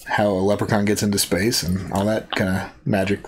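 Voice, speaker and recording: A man's voice: fairly low pitch, little pitch movement, a little fast, a loud crowd. A man co-hosting a movie reaction show, chatting playfully and upbeat. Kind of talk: casual chat.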